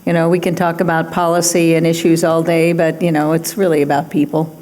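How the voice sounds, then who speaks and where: A woman's voice: sits low, flat delivery, brisk, a little mellow. A woman moderating a panel, thanking the speakers graciously. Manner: gracious, wrapping up.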